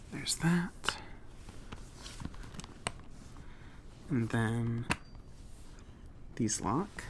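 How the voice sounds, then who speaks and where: A man playing a friendly, slightly awkward mage shopkeeper in a soft-spoken, hesitant, casual ASMR roleplay. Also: mid-range voice, background noise. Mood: friendly, helpful. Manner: hesitant, rambling, accommodating. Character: friendly, slightly awkward male mage running a magic shop.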